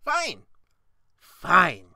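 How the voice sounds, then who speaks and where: A woman's voice: fairly low pitch, big pitch swings, extremely slow, vocal fry, pushed and bright, exaggerated voice. A woman playing an exasperated, sulky actress grumbling in a comic moment of an audio drama. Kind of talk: fan audio drama acting.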